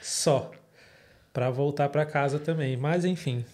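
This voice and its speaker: A Brazilian man with a Brazilian Portuguese accent hosting a podcast, asking his guest questions in a relaxed, laughing way. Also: a little high, slow pace. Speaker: podcast host. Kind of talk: casual interview.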